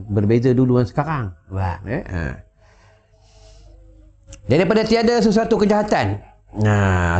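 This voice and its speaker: Sitting high with a darkish tone, a man preaches a sermon full of humorous asides, rhetorically checking again and again that his listeners are following along. He's a religious teacher at home, picked up by a wireless lapel mic in dull lo-fi sound.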